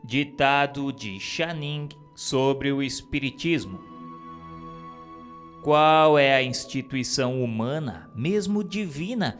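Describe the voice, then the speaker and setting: A man giving a solemn, earnest reading of a religious text, measured and exhorting. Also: medium pitch, lively intonation, fairly bright tone. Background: faint music.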